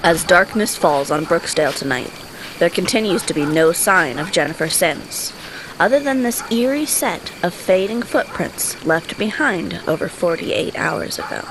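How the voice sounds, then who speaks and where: Female field reporter played by an actress for audio drama: grave, measured, lower-pitched, noisy cricket-filled night location. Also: expressive, natural voice. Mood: grave, somber. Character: somber female television field reporter at a search. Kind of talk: dramatic broadcast news report. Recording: outdoor background noise with chirping crickets. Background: crickets and night insects.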